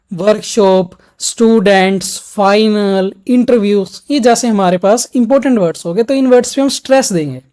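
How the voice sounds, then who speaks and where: A man's voice: high voice, a little mellow. A man coaching students for an exam in an instructional video lesson, explaining each step directly to the viewer.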